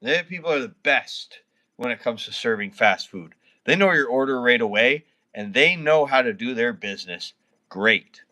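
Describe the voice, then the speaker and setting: A Canadian man in his thirties chats casually with livestream viewers, drunk and slurring as he rambles and swears nonstop. His mid-range voice has lively intonation, a moderate pace, and a pushed, bright quality.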